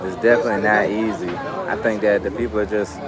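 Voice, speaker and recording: A man's voice: lowish voice, fairly even intonation, brisk, a loud crowd. A man vlogging outdoors at night in a bar area, talking loosely and casually with lots of "like" fillers. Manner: loose, chatty, many "like" fillers. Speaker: travel vlogger. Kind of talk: casual rambling talk to camera. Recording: outdoor street audio with loud music. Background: music from nearby bars.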